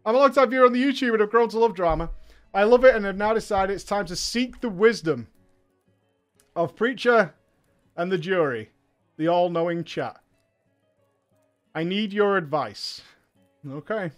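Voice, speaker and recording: A man with a high voice hosts a livestream and reads viewers' letters aloud. He talks in a loud, hyped way, swears freely and drifts into rambling asides, with faint music underneath. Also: normal speed, pauses often. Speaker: streamer and show host.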